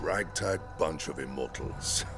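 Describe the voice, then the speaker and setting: A man's voice: very deep voice, measured pace, creaky, heavily acted. A man playing a proud, commanding older warrior leader in a video game, weighty and authoritative. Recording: music behind the voice.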